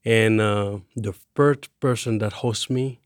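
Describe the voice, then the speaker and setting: A man from Senegal with a Senegalese accent, a guest sharing his story in a halting, deliberate way. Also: fairly low pitch, steady tone, dry recording, clean studio sound. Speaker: podcast guest. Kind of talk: personal testimony in conversation.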